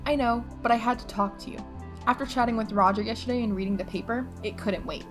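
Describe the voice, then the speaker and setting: High-pitched, bossy, earnest schoolgirl played by a woman. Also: fairly even intonation, fast, music in the background, close to an everyday voice. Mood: eager. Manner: emphatic, lecturing. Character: earnest, opinionated, talkative schoolgirl, bossy and eager. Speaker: podcast drama actress. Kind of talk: audio drama acting.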